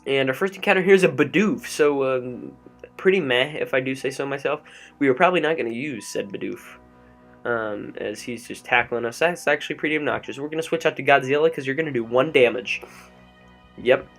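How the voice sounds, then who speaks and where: A man's voice: mid-range voice, a little fast, gravelly, a bit bright. A young man hosting a let's play, chatting and joking over the game with lots of ums, into a desk microphone. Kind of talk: gameplay commentary. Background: faint background music.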